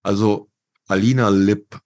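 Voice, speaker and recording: A man co-hosting a podcast discussion, talking in a measured way with frequent fillers. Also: fairly low pitch, fairly even intonation, a little mellow. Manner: slow, measured, with many fillers. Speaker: podcast co-host.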